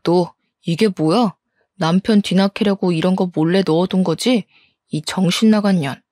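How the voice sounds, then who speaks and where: A woman's voice: lowish voice, normal speed, dark tone, no echo, studio quality, lightly acted. A woman voicing an angry cheating husband who blusters, scoffs and shifts the blame. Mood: scornful. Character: angry, defensive cheating husband in his thirties. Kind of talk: audio story dramatization.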